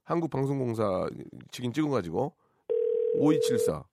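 A man hosting a phone-in radio show, teasing callers with deadpan banter. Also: medium pitch, normal speed, vocal fry, heavy background noise. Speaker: radio host. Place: radio studio.

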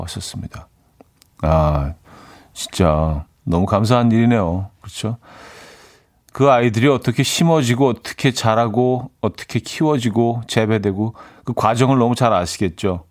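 A man hosting a morning music radio show, chatting in a relaxed way with many small fillers and reading out listener messages in a studio. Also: fairly low pitch. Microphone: studio microphone.

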